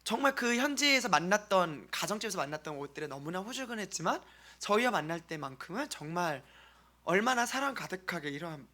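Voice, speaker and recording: A man from South Korea presenting an earnest mission-trip testimony to a congregation as a church member, speaking haltingly with pauses. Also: high voice, big pitch swings, sharp tone.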